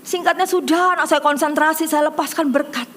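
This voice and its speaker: High-voiced woman pastor telling a story. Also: brisk. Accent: Indonesian. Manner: animated storytelling, acts out quoted voices, addresses congregation directly. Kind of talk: sermon with personal story. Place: church service.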